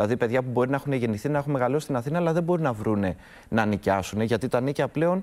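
Very fast and with lively intonation, a man speaks at a very even loudness. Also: quiet background. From Athens, Greece. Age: 30s. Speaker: mayoral candidate; candidate. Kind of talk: interview. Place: studio. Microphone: lapel.

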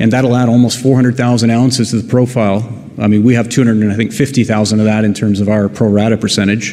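The man speaks with fairly even intonation. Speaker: presenter. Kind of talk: conference presentation. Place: hall. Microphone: podium.

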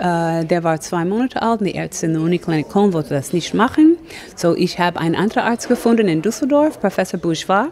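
A woman's lively intonation over light background noise. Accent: non-native. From English-speaking country, not Germany. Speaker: author. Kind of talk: book presentation speech; interview. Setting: stage with audience. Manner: halting. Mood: earnest, emotional story. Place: hall. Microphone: handheld.

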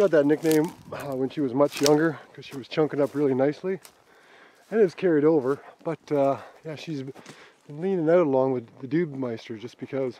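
A man's fairly high voice with a dark, mellow tone, fairly quick pace, ordinary pitch variation, big swings in loudness, dry sound with no echo and light background noise. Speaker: vlogger. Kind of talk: casual vlog narration. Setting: outdoors. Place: forest. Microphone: phone near.

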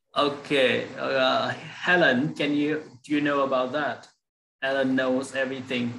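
This man talks at a fairly slow pace with a Vietnamese accent. His intonation is flat and monotone, over light background noise. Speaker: class organizer and interpreter. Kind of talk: online conversation class. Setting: video call. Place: home room. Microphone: video call.

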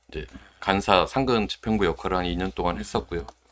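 This man has an ordinary speaking voice, fairly low in pitch. His pitch varies in an ordinary way. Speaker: broadcast journalist and union leader. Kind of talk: interview. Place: studio. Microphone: studio mic.

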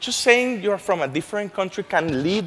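The speaker has a Spanish accent and moves at a fairly quick pace. The pitch swings very widely. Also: man. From Monterrey, Mexico. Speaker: entrepreneur and university lecturer. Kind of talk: conference talk. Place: stage. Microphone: headset.

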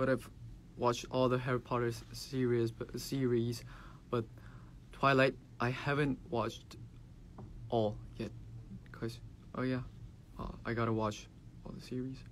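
A man with a Korean accent talks at a moderate pace with long, frequent pauses. His intonation is monotone and flat over light background noise. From South Korea. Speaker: K-pop idol. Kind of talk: casual fan livestream chat. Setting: Instagram live stream. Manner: friendly, playful. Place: home room. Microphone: phone near.

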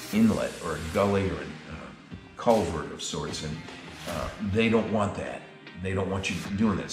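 A man talks at a fairly slow pace with a fairly low pitch and ordinary pitch variation. Clear music plays in the background. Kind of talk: interview answer. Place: kitchen. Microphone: camera far.

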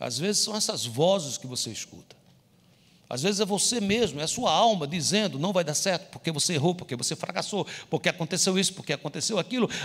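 Talking very fast, a man uses a high pitch and lively intonation. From Northeast Brazil, João Pessoa; Northeast Brazil. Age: 60s. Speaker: pastor. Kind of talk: sermon. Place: church. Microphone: handheld.

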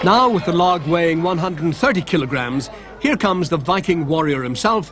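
A man with a British accent speaks in a high pitch with lively intonation at a moderate pace. His loudness stays very even over noticeable background noise. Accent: British received pronunciation. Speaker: sports commentator. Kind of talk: 1980s sports TV commentary, polished narration. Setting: archive TV broadcast. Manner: measured, authoritative, crisp; dramatic, descriptive.

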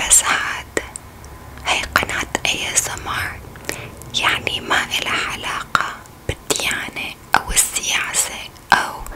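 A woman whispers at a very slow pace. Her speech is broken by long, frequent pauses. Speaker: ASMR creator. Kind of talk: ASMR whispered chat. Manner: soft whisper. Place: home room. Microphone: studio mic.

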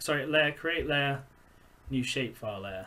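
Moderate pace from a man, light background noise behind him. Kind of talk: tutorial. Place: home room. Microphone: webcam.

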